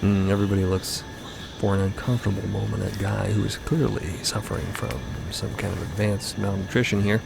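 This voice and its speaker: A man narrates an audio drama in a dramatic scripted style. His voice is fairly low with a gravelly creak, set over loud music. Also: little pitch movement, fairly quick, poor audio.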